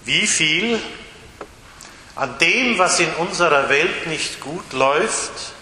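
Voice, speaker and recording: Slow-speaking pastor in echoey church. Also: male voice, on the high side, expressive, pushed and bright, slight background noise. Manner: slow, storytelling delivery. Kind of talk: sermon.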